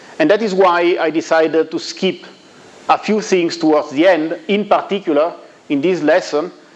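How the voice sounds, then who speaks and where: Against noticeable background noise, a man with a high pitch and ordinary pitch variation talks at a fairly quick pace. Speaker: physics lecturer. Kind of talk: lecture. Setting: recorded video lecture. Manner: fast; halting with fillers.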